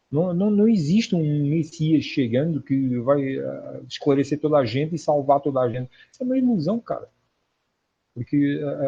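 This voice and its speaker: Casting: male livestream host, Portuguese accent, highish mellow voice, earnest and emphatic, casual talk over dull lo-fi audio. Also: breathy edge. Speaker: online spiritual lecturer, livestream host. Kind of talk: casual livestream talk answering viewers' comments.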